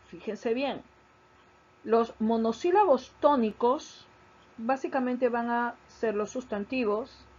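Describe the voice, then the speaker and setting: A woman teacher giving a recorded grammar lesson, explaining slowly, stressing key syllables and repeating her points. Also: a little high, darkish tone, husky. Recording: dull lo-fi recording.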